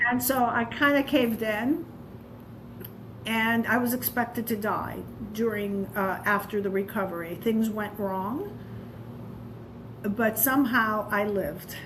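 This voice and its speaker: In a room with audible echo, a woman with a fairly high pitch talks at a fairly slow pace, pausing long and often. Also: ordinary pitch variation. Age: 60s. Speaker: EFT tapping practitioner. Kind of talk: interview testimony. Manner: halting.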